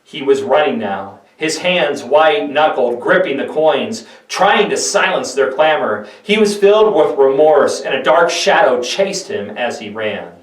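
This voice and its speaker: A man's voice: mid-range voice, lively intonation, a little slow, few pauses. A man giving a scripted, dramatic narration of a Bible story with emphatic, theatrical delivery. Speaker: pastor, narrator. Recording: echoey room, distant microphone.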